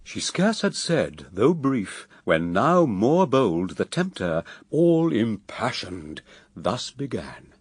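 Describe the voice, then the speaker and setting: Male verse narrator for radio drama: unhurried, dramatic, very dry and close. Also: on the low side, very animated, husky, dry recording.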